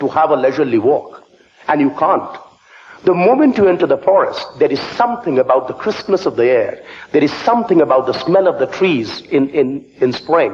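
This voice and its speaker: A man with an Indian accent and a high pitch speaks at a moderate pace with very wide pitch swings, over noticeable background noise. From eastern India, Calcutta. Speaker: business professor. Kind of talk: conference talk. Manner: repetitive restarts, stammering on words.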